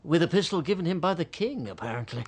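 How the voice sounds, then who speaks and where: An actor playing a fawning, greedy banker baron in a radio drama, flustered and hesitant. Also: male voice, a little high, animated, quick pace, a little mellow.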